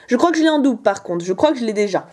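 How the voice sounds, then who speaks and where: A young woman hosting a casual, excited card-opening video, chatty and jokey. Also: fairly high pitch, very fast. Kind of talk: excited casual unboxing commentary.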